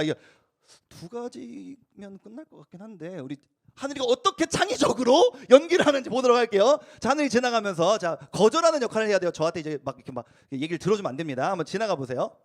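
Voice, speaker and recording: A young male youth pastor leads a playful, interactive sermon at a church youth service. His voice sits unusually high for a man and leaps around animatedly. He talks to the students in a chatty, coaxing way.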